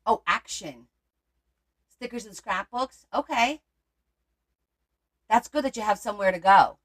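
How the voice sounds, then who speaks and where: On a casual crafting livestream, a woman from Portugal talks through her work aloud and answers what viewers write in. She speaks at a measured pace in a medium-pitched voice.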